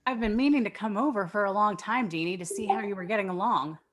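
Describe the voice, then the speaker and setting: A woman's voice: medium pitch, fast, a crowd in the background, close to an everyday voice. A woman playing a polite, hesitant, sincere teenage boy in a dramatic table read. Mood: shy, hopeful. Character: earnest, shy, polite teenage boy suitor.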